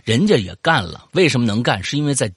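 A man's voice: medium pitch, fast, husky, no room sound, clean studio sound. A man, casually telling a listener's story and chatting about it, swearing and rambling with lots of fillers. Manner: animated, swears, jumps into voices for quoted lines; rambling with frequent fillers and repeats. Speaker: host reading out a listener's story. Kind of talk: casual storytelling with banter and commentary.

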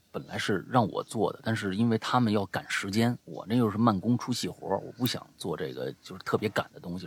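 A man hosting a show, chatting casually and promoting it, with a gravelly voice and a habit of repeating phrases for emphasis. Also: low voice. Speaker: show host and audio storyteller.

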